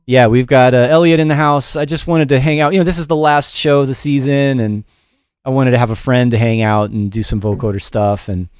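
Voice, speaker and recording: A man's voice: medium pitch, steady tone, brisk, a little mellow, smooth. A middle-aged man giving a casual livestream music production lesson in a rambling, informal, self-deprecating way. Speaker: music production teacher and show host.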